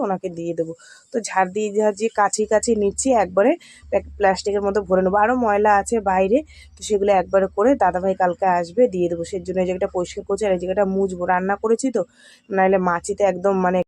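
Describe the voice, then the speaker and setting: A woman's voice: mid-range voice, darkish tone, no echo. A middle-aged Bengali-accented woman chatting to viewers about her household chores in a casual home vlog. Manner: chatty, addresses viewers directly. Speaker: home vlogger. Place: small home, indoors.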